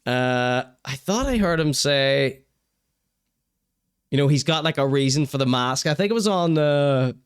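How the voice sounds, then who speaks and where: A man's voice: mid-range voice, unhurried, smooth. A young man with a Northern Irish accent hosting a live stream, reading chat comments and giving blunt, wry opinions. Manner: wry, blunt, swears casually, laughs at his own jokes. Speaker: show host.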